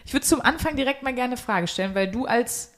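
A woman's voice: on the high side, expressive, brisk. A woman hosting a podcast in casual, jokey chat, using slang and some English words, recorded at home. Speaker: podcast host.

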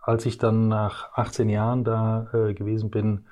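A man's voice: lowish voice, monotone, dark tone. A man in his fifties from Belgium, answering interview questions as an executive guest, hesitantly feeling for his words. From Brussels region, Belgium. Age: 50s. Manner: hesitant, halting, feels for words.

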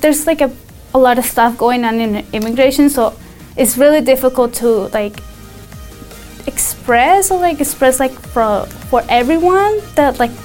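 A woman's voice: high-pitched, a little mellow. A teenage girl from Mexico, a student debater, talking casually and hesitantly with many "like" fillers; Spanish is her first language. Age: teens. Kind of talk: casual interview answers.

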